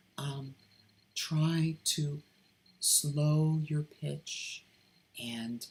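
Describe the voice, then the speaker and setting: Fairly even in intonation, the voice sounds somewhat breathy. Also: man. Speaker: video essayist. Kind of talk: casual monologue. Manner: practicing feminine voice, sometimes falsetto; hesitant, many ums.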